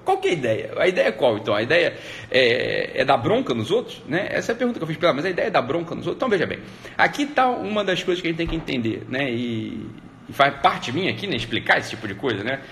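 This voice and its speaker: A man hosting a casual live stream, rambling along and tagging "né?" onto his sentences, his voice getting animated as he retells exchanges. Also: a little high, quick pace, slight background noise. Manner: rambling, repetitive "né?" tags, animated when retelling. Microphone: streaming mic.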